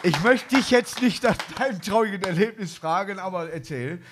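A man's voice: high voice, animated, normal speed, very noisy. A man hosting a live comedy podcast, rambling through anecdotes and chuckling often. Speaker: podcast host. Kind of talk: casual comedy chat.

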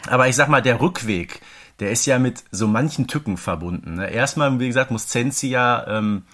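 A man's voice: medium pitch, normal speed, fairly bright tone. A man co-hosting a podcast, chatting casually and giving his opinions on an audio drama series. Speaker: podcast co-host.

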